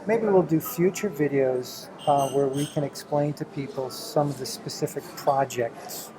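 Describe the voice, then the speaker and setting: A man's voice: on the high side, unhurried, a crowd in the background, low-quality recording. A middle-aged man chatting casually and encouragingly with his teenage child as the host of a home video. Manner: encouraging, affirms often with "right" and "exactly".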